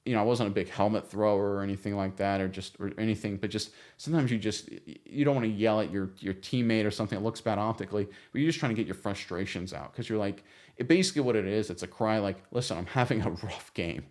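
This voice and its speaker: A man's voice: fairly low pitch, quick pace. A man hosting a sports show, casually talking through viewer comments with frequent restarts and fillers. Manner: chatty, frequent restarts and fillers, animated when retelling.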